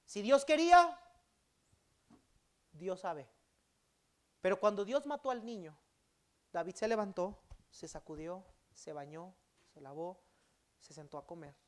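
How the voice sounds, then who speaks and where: A male pastor preaching a sermon in a church, swinging between loud emphatic bursts and quiet, low endings. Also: lively intonation, unhurried, long pauses. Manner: acts out quoted speech in dialogue.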